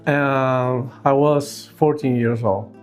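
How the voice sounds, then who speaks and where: Cuban man, 60s, native Spanish speaker, mid-pitched, searching for words in a casual interview, faint music underneath. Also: fairly even intonation, slow. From Cuba. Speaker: food truck owner, interviewee.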